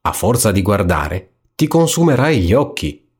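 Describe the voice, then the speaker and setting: A man's voice: lowish voice, sing-song, normal speed, husky, full character voice. A man voicing a sly little black devil from a toy box, teasing and mocking.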